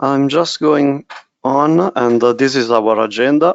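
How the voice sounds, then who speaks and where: A man speaks at a fairly slow pace with an Italian accent. His pitch varies in an ordinary way. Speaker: CAD technical specialist. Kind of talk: webinar presentation. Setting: online webinar. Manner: halting, many fillers.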